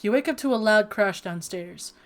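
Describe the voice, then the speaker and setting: A woman with a mid-range voice is livestreaming a dating sim. She moves between reading the game text aloud and chatting with viewers. Her delivery is expressive and flustered, with a playful sense of drama. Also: mid-range voice, moderate pace. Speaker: streamer playing a dating sim.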